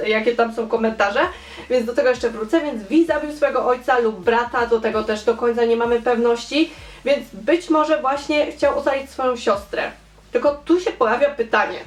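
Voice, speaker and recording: A young woman vlogger in casual chat, reading and discussing viewer comments with enthusiasm and repeating words for emphasis. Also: a little high. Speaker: fan theory vlogger. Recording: echoey room.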